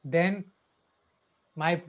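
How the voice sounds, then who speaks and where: A young man telling his personal story as a club speech, halting and repeating words with a stutter. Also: fairly high pitch, steady tone. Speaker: club speaker. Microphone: video call. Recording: dull lo-fi online call audio.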